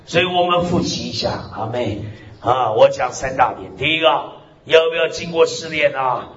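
A man pastor delivers an emphatic sermon, his voice lively and swinging widely in pitch. He punctuates his points with hallelujahs and amens. The recording is lo-fi and roomy, like an echoey church hall. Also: normal speed, crowd noise. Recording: echoey hall, dull lo-fi sound.

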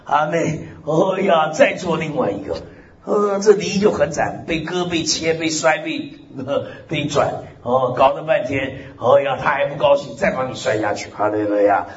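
A man preaches with lively, sweeping pitch, stretching out key phrases and dropping in amens and hallelujahs. His voice sits a little on the high side. The recording is slightly muffled, with a faint hiss underneath. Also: measured pace. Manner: swings pitch widely, drawls key phrases. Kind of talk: sermon.

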